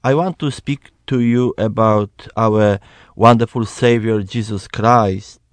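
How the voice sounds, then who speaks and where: Slow earnest man with a Polish accent. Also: fairly low pitch, fairly even intonation, no room sound. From Poland. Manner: slow, earnest, emphatic preaching. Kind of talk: personal testimony, Bible reading.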